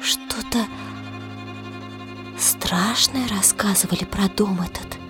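A woman's voice: mid-range voice, takes it slowly, over music. A young woman in a radio play, coaxing and pleading with her sweetheart in a half-whispered voice. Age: young adult.

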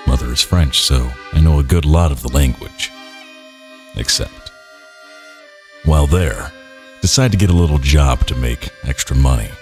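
A man's voice: extremely low pitch, normal speed, long pauses, soft background music. A man reading internet stories aloud for comedy in a terse, dry manner.

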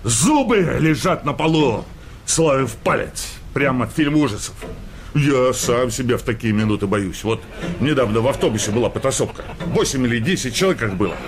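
An actor playing a belligerent, boastful working-class husband, animated. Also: male voice, mid-range voice, normal speed, slight background noise, lightly acted. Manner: coarse colloquial speech, bragging, needling. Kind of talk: radio comedy play acting.

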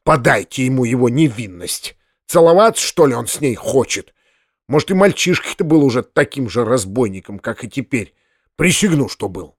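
A man's voice: expressive, normal speed, no room sound, studio quality. A man doing a grumbling irascible old landowner. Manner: muttering, low grumbling.

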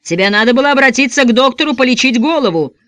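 A narrator voicing a gruff backwoods outlaw father who bellows coarse threats. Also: medium pitch, animated, fairly quick, a bit bright, no room sound, pitched above the performer's own voice, lightly acted. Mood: bellowing.

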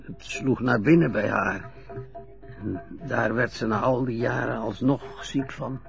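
A man playing a gravelly, stammering old widower. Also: medium pitch, a little slow, dull audio, soft background music. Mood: sorrowful. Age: older. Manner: hesitant, stammering. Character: frail old widower being bathed, fearful, teasing fibber. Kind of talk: radio play acting.

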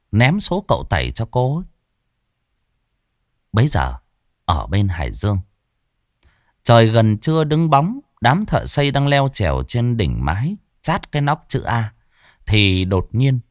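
A man's voice: on the low side, no echo, studio quality. A man telling a folk ghost story in a dramatic, swooping way.

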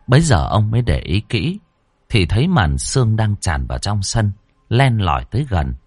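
A man's voice: fairly low pitch, sing-song, moderate pace, a little mellow, husky, no echo, studio quality. A man narrating a ghost story in a dramatic, suspenseful way. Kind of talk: audiobook narration.

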